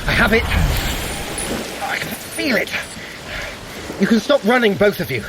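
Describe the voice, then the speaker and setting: A man's voice: sits high, very animated, a little slow, noisy background. An actor playing a wry, clever Norse trickster god in an audio adventure drama, theatrical and precise in his speech. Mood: urgent, excited. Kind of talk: scripted audio drama acting.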